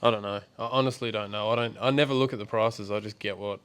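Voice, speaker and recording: A man's voice: fairly low pitch, steady tone, fast, a bit bright, clear, resonant tone. An Australian man hosting a podcast, teasing his co-host in jokey banter. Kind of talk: casual chat.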